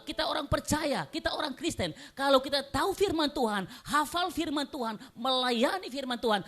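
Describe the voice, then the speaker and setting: A woman preaches a sermon in a church. Her voice sits fairly high, and she drives each point home through repetition. She swings between hushed and loud passages. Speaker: pastor.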